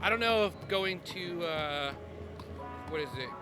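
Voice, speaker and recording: A man from Texas giving hesitant, soft-spoken answers outdoors at an event. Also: sits high, expressive, unhurried, over music. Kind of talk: casual interview answers.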